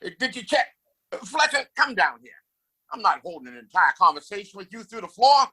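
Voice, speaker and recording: A man plays a rich, domineering town boss in a Western radio play. His bright voice swings widely in pitch as he hands out orders with condescension and open scorn. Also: sing-song, a little fast, breathy edge, heavily acted. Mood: irritated, demanding. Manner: condescending, commanding. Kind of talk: Western audio play acting.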